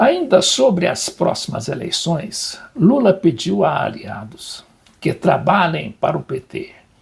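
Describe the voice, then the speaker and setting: A man speaks at a very slow pace in a high voice. His pitch swings very widely. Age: 70s. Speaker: political commentator. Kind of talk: news commentary reading article.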